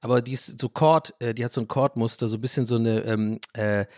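A man hosting a podcast, talking in a rambling, animated way, often interrupting himself and laughing. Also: mid-range voice, brisk, no room sound, studio quality. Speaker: podcast host. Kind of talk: casual podcast monologue.

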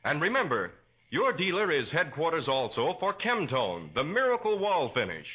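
A man's voice: on the high side, huge pitch swings, normal speed, breathy edge. An American man announcing on 1940s radio with a polished, emphatic salesman's delivery. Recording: dull, muffled 1940s radio recording.

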